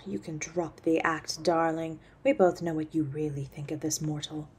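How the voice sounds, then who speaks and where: A woman acts as an ancient succubus matriarch in an audio drama, her voice low and rough-edged. She is haughty and cruel, talking down to others with imperious mockery and menace. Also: steady tone, normal speed, darkish tone. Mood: mocking, condescending. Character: haughty, cruel centuries-old succubus demon mother. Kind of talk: scripted audio roleplay acting.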